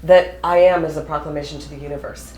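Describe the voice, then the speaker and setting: A woman's voice: sits low, steady tone, quick pace, a little mellow, roomy sound. A middle-aged woman counselor explaining a self-talk exercise to a couple, emphatic and teacherly.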